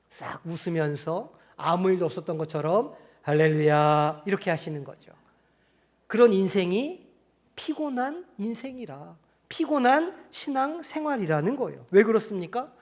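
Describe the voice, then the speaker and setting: Lively Korean pastor preaching. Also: male voice, extremely high pitch. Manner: animated preaching, acting out congregants' inner voices; asks the congregation questions and pauses for answers. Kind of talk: sermon. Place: church sanctuary.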